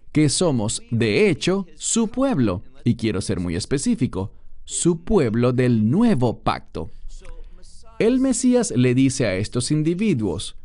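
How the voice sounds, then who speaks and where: A male preacher delivers a sermon at an unhurried pace. His voice swings up and down expressively while he speaks straight to his listeners and presses each point with emphasis. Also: medium pitch, dark tone. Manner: emphatic, addresses listeners directly.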